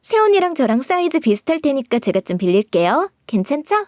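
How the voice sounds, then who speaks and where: A woman's voice: high-pitched, sing-song, fairly quick, a little mellow, no echo, studio quality, pitched above the performer's own voice. A woman voicing a spoiled, pushy young sister-in-law who talks in a wheedling, pouty way in a story read aloud. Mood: gushing.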